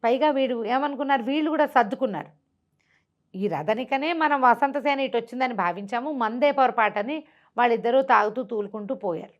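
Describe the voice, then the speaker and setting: A woman's voice: on the high side, brisk, lo-fi sound. A woman tells a classical tale off the cuff as a storyteller, explaining conversationally and repeating phrases as she goes.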